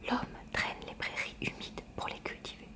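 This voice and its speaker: For ASMR, a woman softly reads out a school science textbook. She never voices her words, using a breathy, hushed library whisper and reading with measured care.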